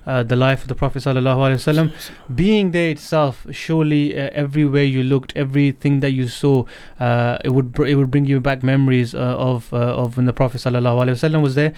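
A man hosting a radio interview who speaks in a measured, polite and affirming way. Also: mid-range voice, fairly even intonation, a little mellow, clean tone, dry recording. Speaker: radio host.

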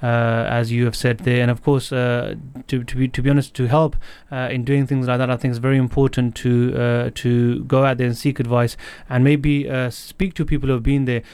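Male radio host, mid pitch, smooth resonant voice, dry studio sound, measured and polite. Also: level tone, darkish tone, no room sound. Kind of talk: radio interview.

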